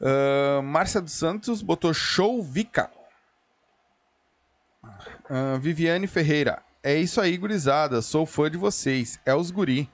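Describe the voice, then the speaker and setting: A man's voice: on the high side, animated, takes it slowly. A man hosting a casual live podcast, reading viewer comments aloud and joking. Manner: reads viewer comments aloud, joking, uses regional slang. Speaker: podcast host.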